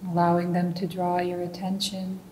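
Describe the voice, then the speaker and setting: A woman leading a guided meditation as a teacher, giving calm, gentle instructions. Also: moderate pace. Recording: roomy echo, faint low rumbling noise.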